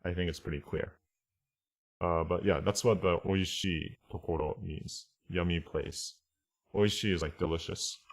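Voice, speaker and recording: Low-voiced man teaching a language class. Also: steady tone, unhurried. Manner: thinks aloud, checks understanding often. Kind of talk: casual online lesson, explaining and translating.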